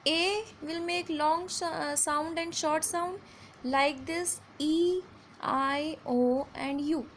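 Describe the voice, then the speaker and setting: A woman with a high, light voice and an Indian English accent teaches vowel sounds to children. She slows down to stretch each example word and slips between English and Hindi. A faint hum of ambience sits under her voice. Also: fairly even intonation. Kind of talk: phonics lesson for children.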